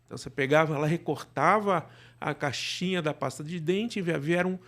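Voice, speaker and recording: Higher-pitched Brazilian man explaining in conversation. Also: fairly quick, fairly bright tone. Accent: Brazilian Portuguese. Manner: explanatory, often checks in with tag questions. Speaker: guest, radio drama producer. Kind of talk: conversational explanation in a live interview.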